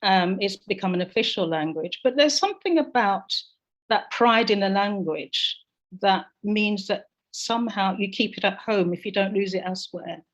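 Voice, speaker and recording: A woman's voice: medium pitch, moderate pace, lo-fi sound. Woman reflecting over a video call. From London, England. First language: Jamaican. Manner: reflective, personal storytelling. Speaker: panelist. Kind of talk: online panel discussion.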